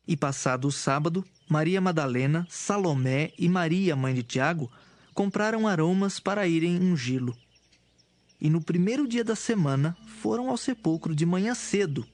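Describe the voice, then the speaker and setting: A man's voice: fairly high pitch, lively intonation, measured pace, no room sound. A man giving a scripted narration of an audio Bible. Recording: music behind the voice.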